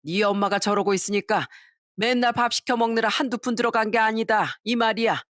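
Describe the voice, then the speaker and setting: A woman's voice: on the high side, fairly quick, fairly bright tone, dry recording, voice pushed up, natural voice. Bullying old father-in-law in a storybook reading, scolding and contemptuous, put on by a woman; dry close recording.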